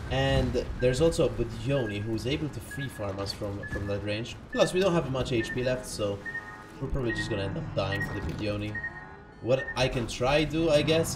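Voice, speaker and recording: A man giving casual live commentary over his own gameplay, chatty and self-correcting, having just woken up. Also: mid-range voice. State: just woke up.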